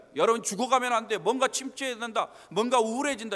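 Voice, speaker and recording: Raising and projecting his extremely high, bright, sharp voice, a man talks with an animated tone at a very fast pace. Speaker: pastor. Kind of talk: sermon. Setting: church.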